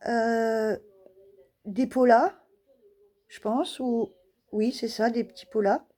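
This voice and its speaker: A woman's voice: on the high side, steady tone, takes it slowly, warm tone. A woman casually showing craft stamps in a vlog, talking hesitantly with many fillers and laughing at her own guesses. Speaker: scrapbooking vlogger.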